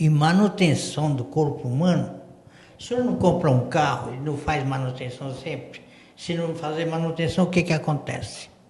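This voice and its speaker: A man with a fairly high pitch speaks at a moderate pace with ordinary pitch variation, over noticeable background noise and with audible room echo. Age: 70s. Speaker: magnetic therapist. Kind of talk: interview. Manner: halting.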